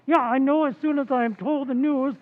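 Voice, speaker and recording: A man voicing an excitable Greek waiter in an old-time radio play, speaking emphatic broken English with a Greek accent. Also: very high-pitched, fairly quick, pitched above the performer's own voice. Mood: eager, insistent. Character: excitable Greek waiter, eager to tell police everything. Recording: thin, tinny radio-like sound.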